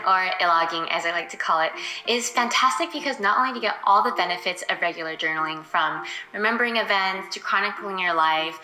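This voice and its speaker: Bright upbeat woman teacher, roomy sound. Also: medium pitch, a little hiss or hum. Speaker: online class teacher. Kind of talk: class introduction.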